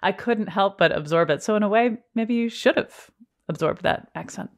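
A woman hosting a podcast, talking in a conversational way with quick asides. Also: medium pitch. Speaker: host.

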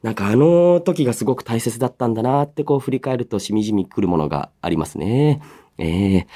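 A man in his thirties hosting a radio show solo, reading listener mail and musing aloud in a polite but casual way. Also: on the high side.

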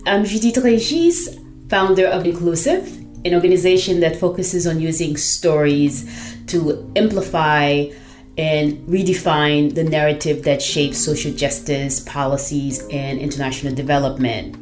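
A woman's voice: low-pitched, unhurried, a little mellow, faint music behind. A woman from Haiti who hosts a podcast, telling her story in an earnest, reflective way with frequent "you know"s. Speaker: podcast host. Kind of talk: personal testimonial.

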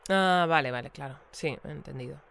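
Casting: inquisitive, courteous bulletin presenter for a radio drama, smooth clear voice, measured interview questioning. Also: medium pitch, a bit bright, dry recording. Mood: probing. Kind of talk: audio fiction acted as a radio news interview.

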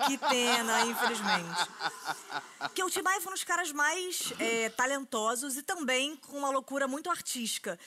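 Uma apresentadora de programa conduzindo uma entrevista bem-humorada, provocando o convidado com piadas rápidas. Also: female voice, high voice, bright, forceful tone. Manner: teasing, jokey, quick asides. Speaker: talk show host. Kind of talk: comic interview hosting.

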